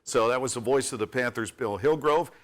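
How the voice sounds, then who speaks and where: A man's voice: mid-range voice, fairly quick. A man hosting a sports radio show, interviewing a college football player in a friendly, folksy way with joking asides.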